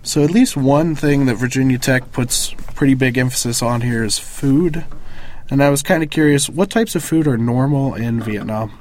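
Young man interviewing, mid-pitched voice. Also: moderate pace, darkish tone, a little hiss or hum. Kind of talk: casual interview questions.

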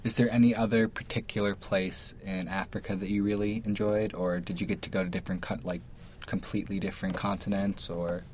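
A man asking informal questions as an interviewer in a relaxed chat. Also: lowish voice, brisk, a little hiss or hum. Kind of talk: casual questioning.

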